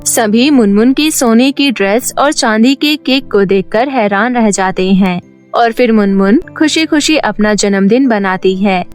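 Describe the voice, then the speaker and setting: A woman's voice: on the high side, measured pace, soft background music. A woman narrating a scripted children's story.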